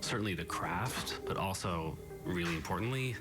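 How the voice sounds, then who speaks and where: Low voiced guy talking about running a game program, slow and deliberate. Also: expressive, over music. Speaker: game design program lead. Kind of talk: interview.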